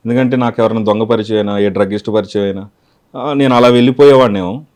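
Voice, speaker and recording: A man, a mimicry artist, giving calm, reflective interview answers. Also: on the low side, fast talker.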